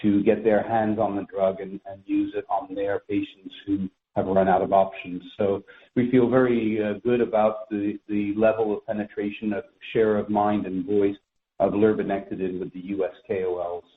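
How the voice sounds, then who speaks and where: A male executive with a fairly low voice gives measured, formal answers on a business call. The sound is thin telephone audio with strong room echo. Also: little pitch movement, narrow, tinny audio. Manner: measured, formal, careful word choice. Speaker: company executive answering analysts. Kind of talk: spontaneous business Q&A on a conference call. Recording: echoey, thin telephone conference line.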